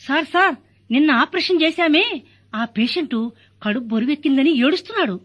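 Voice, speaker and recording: A woman in a comedy sketch who answers back in cheeky, quick retorts. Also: sits high, lively intonation, fairly bright tone, muffled recording. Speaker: comic actress playing a nurse. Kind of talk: comic dialogue sketch.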